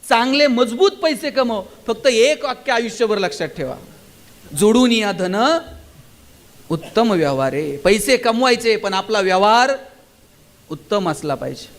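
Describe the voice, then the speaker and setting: High-pitched passionate male speaker. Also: a bit bright. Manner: passionate, rhetorical questions. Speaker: motivational speaker. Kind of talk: stage speech to students and teachers. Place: school gathering.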